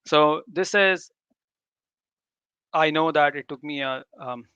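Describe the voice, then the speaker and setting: A man's voice: a little high, slow pace, bright, forceful tone, clean tone, no room sound, lo-fi sound. A man whose native language is Urdu gives an informal live tech demo, often repeating and rephrasing himself. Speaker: tech presenter. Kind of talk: live demo talk to developers.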